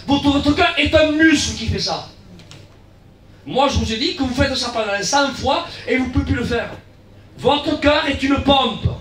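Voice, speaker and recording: A guest pastor giving a lively sermon, acting out little dialogues, shouting key lines and dropping into low asides. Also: male voice, a little hiss or hum. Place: church hall. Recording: echoey church from far off.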